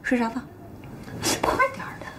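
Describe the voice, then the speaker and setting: An actress playing a sharp-tongued, bossy wife in a TV drama, scolding curtly. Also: female voice, moderate pace, a little hiss or hum, lightly acted. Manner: scolding, curt. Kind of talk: TV drama acting.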